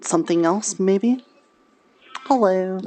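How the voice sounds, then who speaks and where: A woman's voice: mid-range voice, takes it slowly, dark tone, a little hiss or hum, low-quality recording. A woman speaking in character in an improvised, conversational roleplay. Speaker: roleplayer in a virtual reality game.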